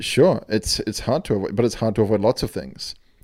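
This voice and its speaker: A man speaks with an Australian accent in a fairly low voice. His tone is dark and mellow, and the recording is very clean with a silent background. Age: 30s. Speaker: startup strategist and designer. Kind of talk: casual interview. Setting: co-working office.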